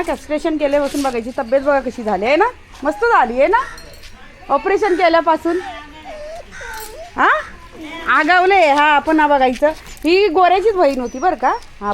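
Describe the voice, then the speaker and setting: A woman vlogging outdoors, coaxing and scolding her pet dogs in casual, chatty talk. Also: high voice. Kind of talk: casual talk to pets and neighbors.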